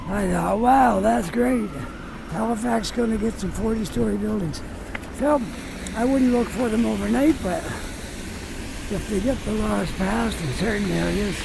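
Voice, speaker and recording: A man with a head cold and a raspy voice, chatting slowly as he walks through a city street filming a vlog. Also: sits high. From Canada. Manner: slow, chatty, drawn-out phrases. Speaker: walking vlogger. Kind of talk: casual walking commentary. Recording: street noise and traffic behind.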